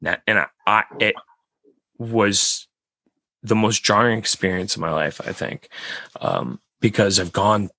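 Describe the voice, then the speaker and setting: A man with a raspy voice, hosting a casual podcast chat and rambling with many restarts. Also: on the low side, a little slow, sharp tone, no echo.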